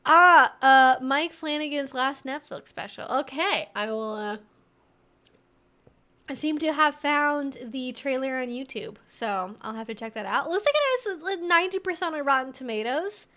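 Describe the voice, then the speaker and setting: A woman's voice: high voice, lively intonation, moderate pace, sharp tone. A young woman hosting a livestream, chatting in an informal, rambling way as she answers viewer comments. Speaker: livestream host.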